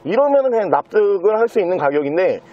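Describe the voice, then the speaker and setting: A man's voice: sits high, big pitch swings, fast talker, highs cut off. A man presenting a used car in a walkaround sales video, talking in the fluent patter of a car salesman.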